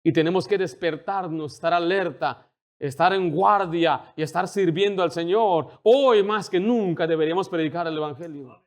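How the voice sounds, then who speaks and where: High-voiced man preaching a sermon. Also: normal speed. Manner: preaching with rising intensity, acting out quoted dialogue. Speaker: pastor.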